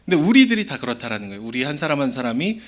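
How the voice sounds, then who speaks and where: A male pastor giving a children's sermon, lively and full of questions to the children. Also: medium pitch, racing.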